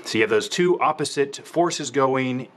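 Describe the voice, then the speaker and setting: A man's voice: mid-range voice, moderate pace, a bit bright, slight background noise. A man in his forties, a sailing instructor, explaining the parts of a sailboat step by step, asking and answering his own questions. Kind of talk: hands-on instructional walkthrough. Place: outdoors on a small sailboat at a dock.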